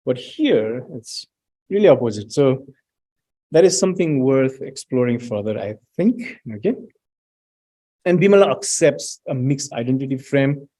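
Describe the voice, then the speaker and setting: A middle-aged man presenting research findings at an academic talk, pausing often with fillers and restarts. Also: mid-range voice, lively intonation, warm tone. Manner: hesitant, many fillers and restarts, reads out student quotes.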